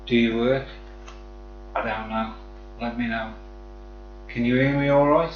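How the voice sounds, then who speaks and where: In a mid-range voice with fairly even intonation, a man chats unhurriedly over slight background noise. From the West Midlands, England, and speaking with a Black Country accent, he addresses live-stream viewers casually and matily. It sounds dull, with room echo and faint music.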